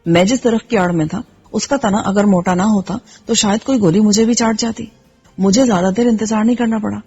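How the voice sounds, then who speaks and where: A woman reading a first-person action novel aloud in steady storytelling narration. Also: medium pitch. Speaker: audiobook narrator. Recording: slightly dull with faint music.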